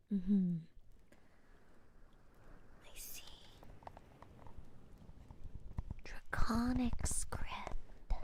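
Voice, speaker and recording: A calm, scholarly witch , acted out by a woman, speaks in a soft, breathy whisper. Her tone is mellow and her pace extremely slow, with thoughtful pauses between phrases. It is an intimate ASMR roleplay style, curious and measured. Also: mid-range voice. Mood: focused, probing.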